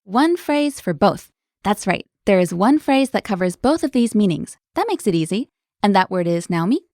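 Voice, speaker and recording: A woman hosting a language lesson, explaining words clearly in an upbeat, scripted way. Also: mid-range voice, very animated, moderate pace, a little mellow, dry recording, clean studio sound.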